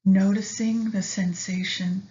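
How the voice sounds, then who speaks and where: In a mid-range, steady tone, the woman softly leads listeners through a meditation at a very slow pace. Long pauses fall between her soothing phrases. The audio is a little dull and lo-fi.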